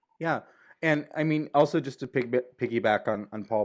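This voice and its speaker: A man with an unremarkable speaking voice talks at a fairly quick pace with ordinary pitch variation against a quiet background. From Texas. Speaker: read-aloud show host. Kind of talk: casual chat.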